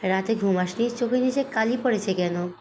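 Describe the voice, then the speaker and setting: A woman's voice: mid-range voice, normal speed, warm tone, a little hiss or hum, lightly acted. A woman voicing a playful, nosy elderly grandmother who teases with prodding questions. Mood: teasing.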